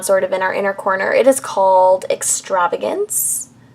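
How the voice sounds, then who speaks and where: Noticeable background noise sits behind talking at a moderate pace. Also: woman. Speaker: beauty vlogger. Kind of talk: tutorial.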